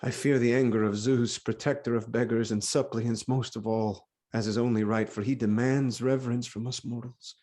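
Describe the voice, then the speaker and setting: An actor playing a troubled, grave king in a live reading of Greek tragedy, with weighty, deliberate delivery. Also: medium pitch, fairly even intonation, warm tone, close to an everyday voice. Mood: anguished, fearful. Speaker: actor giving a dramatic reading. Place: online video call.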